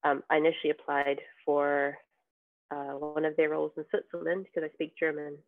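A software tester from New Zealand guests on a podcast, talking casually and hesitantly with many ums and restarts in an interview chat. His voice is fairly high, monotone, and a little fast. The audio is a tinny, phone-like remote call.

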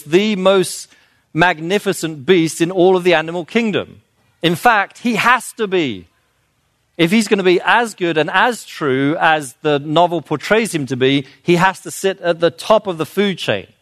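A man's voice: fairly high pitch, normal speed, no room sound, clean studio sound. A man giving an informal, earnest lecture, explaining with fillers and restarts and growing emphatic on his key points. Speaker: speaker on children's literature.

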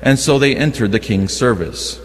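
A man's voice: medium pitch, normal speed. A man formally reading scripture and a canticle as lector in a large, echoing church. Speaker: lector at Mass. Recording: long echoing church reverb.

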